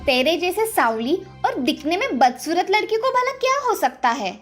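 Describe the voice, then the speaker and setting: A woman voicing a harsh, bossy stepmother who scolds and taunts in an animated storybook. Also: extremely high pitch, normal speed, faint music behind. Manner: bossy, taunting, snapping orders.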